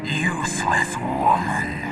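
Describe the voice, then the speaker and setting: A man's voice: on the high side, wildly swooping pitch, slow pace, far from the mic, loud music behind the voice, heavily acted. A man voicing a menacing, boastful psychic villain in a video game, theatrical and breaking into eerie whispers.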